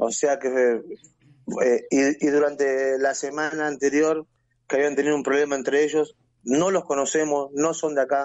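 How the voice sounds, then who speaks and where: This man's voice sits fairly high in pitch. His intonation is monotone and flat. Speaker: grieving father of a murder victim. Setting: phone call. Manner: halting, choked, repeating phrases, trailing off mid-sentence.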